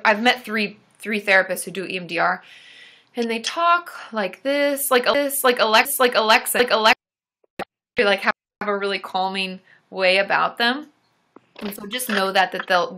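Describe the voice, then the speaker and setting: A woman's voice: mid-range voice, pushed and bright, slight background noise. A young adult woman therapist hosting a casual live-stream Q&A, chatty and reassuring, with many fillers and restarts.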